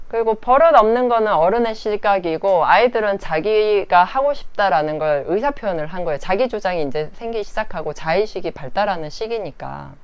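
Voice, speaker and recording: Woman parenting counselor talking about toddlers, super animated, smooth clear voice, acts out kid voices. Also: medium pitch. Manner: lively, acts out child and mother voices. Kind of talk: parenting advice talk.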